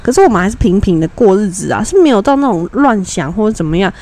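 A woman's voice: mid-range voice, fast talker. A young woman, co-hosting a podcast and telling a story in casual chat, acting out the voices in her anecdotes. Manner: animated storytelling, acts out quoted dialogue. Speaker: podcast co-host.

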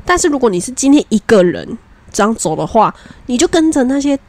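A woman, co-hosting a podcast in a relaxed, chatty way. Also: a little high, fast talker. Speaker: podcast co-host. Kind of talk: casual chat.

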